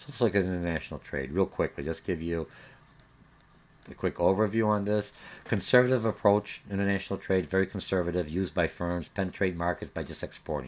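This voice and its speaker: A fairly quick pace from a man with a very deep, low pitch. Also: ordinary pitch variation. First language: not English. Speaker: community college professor. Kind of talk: recorded lecture. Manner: halting, many fillers and restarts.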